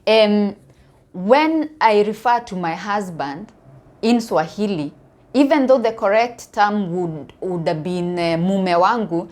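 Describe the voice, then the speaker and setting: Her voice is mid-range and darkish, carrying a Kenyan accent, as this woman from Kenya talks to viewers of her online videos. She gives her opinions casually but haltingly, doubling up words for emphasis.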